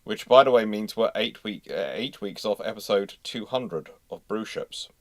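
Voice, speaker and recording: A man's voice: lowish voice, normal speed, gravelly, no room sound. A man hosting a casual livestream, chatting in a rambling way as he thinks aloud. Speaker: host of a naval history livestream.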